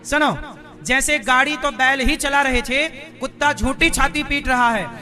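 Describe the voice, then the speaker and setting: A man preaches with a very high voice, weaving folk tales into a devotional talk. He keeps questioning and teasing his listeners. Music plays clearly behind him. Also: a little slow. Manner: questions and teases the audience. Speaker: katha preacher. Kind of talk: devotional sermon with storytelling.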